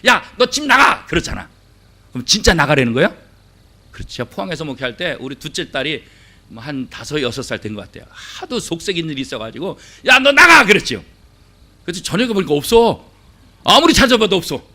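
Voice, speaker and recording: Animated, bright-voiced male pastor. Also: on the high side, fairly quick. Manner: dramatic, acts out quoted voices, swings between loud and hushed; asks the congregation rhetorical questions. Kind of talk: sermon.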